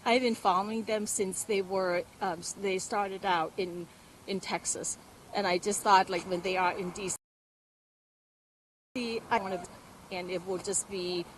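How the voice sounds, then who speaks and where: A woman answers questions outdoors in the cold, in a middle-pitched voice. She speaks earnestly and haltingly, pausing often and reaching for words. There is a faint outdoor hiss behind her. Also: steady tone, low-quality recording. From Thailand. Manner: earnest and halting, with many pauses and fillers. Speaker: interviewee. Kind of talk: street interview.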